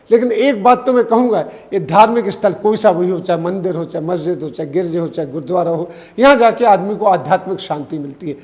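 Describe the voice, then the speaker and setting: A man's voice: sits high, darkish tone, long reverb tail. A man giving unscripted spoken news commentary, restarting and correcting himself as he talks.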